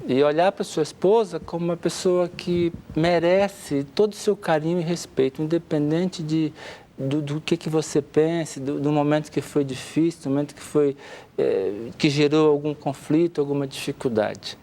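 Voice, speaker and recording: Brief: Brazilian man, 50s, family counselor on a studio talk show; animated, plays out little scenes in different voices. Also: fairly high pitch, moderate pace. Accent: Brazilian Portuguese. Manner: lively, acts out spouses' quotes.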